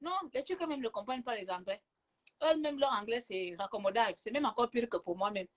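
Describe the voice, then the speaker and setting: A woman's voice: on the high side, fairly quick. A woman vlogging in casual chat from a hotel room, talking in a chatty, teasing way and laughing often. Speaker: travel vlogger.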